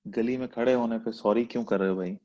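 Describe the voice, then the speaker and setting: A man's voice: medium pitch, fairly even intonation, fast talker, mellow, highs cut off. A man teaching a live online freelancing class in a chatty, teasing, rhetorical way. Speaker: freelancing instructor.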